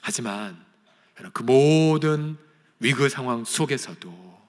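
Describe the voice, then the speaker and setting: A male pastor preaching an impassioned sermon, swinging from loud pleading to soft near-whispers. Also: mid-range voice, lively intonation, unhurried. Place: church sanctuary. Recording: church hall reverb.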